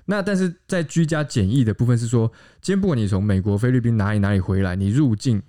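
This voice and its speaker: A man's voice: medium pitch, lively intonation, fast talker, dark tone. A man with a Taiwanese Mandarin accent co-hosts a casual podcast and explains the rules. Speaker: podcast co-host.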